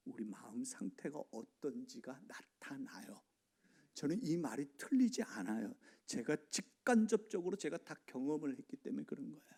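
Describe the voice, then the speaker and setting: A pastor preaching a sermon in a church, swinging between loud exhortation and hushed, near-whispered asides. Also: male voice, fairly high pitch, vocal fry. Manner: acts out congregation members' complaints in changed voices. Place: church sanctuary.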